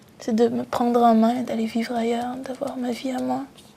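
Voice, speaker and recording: Noticeable background noise sits behind a woman with a Quebec accent. She speaks at a moderate pace in a fairly high pitch. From Quebec, Côte-Nord (Innu community). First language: Innu (speaking French). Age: 20s. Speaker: art student. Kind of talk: documentary interview. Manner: reflective, halting.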